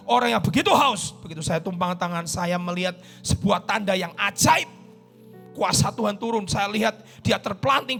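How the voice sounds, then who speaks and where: Indonesian male pastor, very high gravelly husky voice, dramatic sermon storyteller, music bed behind. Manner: animated, acts out voices in the story, swings between shouting and hushed.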